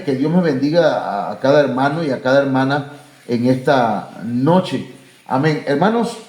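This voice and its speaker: Speaking to his church and viewers online, a pastor with a Mexican Spanish accent delivers a sermon and closing prayer from the sanctuary in a plain, conversational style full of fillers. His voice is mid-range with a darkish tone, and the sound is roomy.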